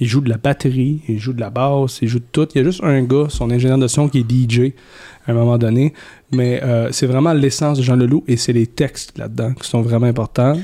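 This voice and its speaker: This man has a Quebec accent and a dark, mellow tone at a medium pitch. He talks at a fairly quick pace with fairly even intonation. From Montreal, Quebec. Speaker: music journalist and author. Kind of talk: casual chat.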